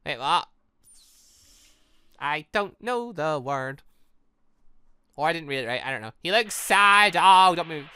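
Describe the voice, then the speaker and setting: A gaming host with a bright, forceful voice that swings up and down a lot. The delivery is rambling and theatrical, full of exclamations, and the sound is close and dry. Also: medium pitch, expressive, unhurried, long pauses, clean tone, no echo. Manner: rambling, self-confessed ranter. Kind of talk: excitable let's play commentary with read-aloud dialogue.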